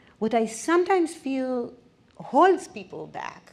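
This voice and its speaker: A woman speaks with an Israeli accent, her pitch swinging very widely. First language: Hebrew. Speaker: biotech research executive and scientist. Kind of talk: interview.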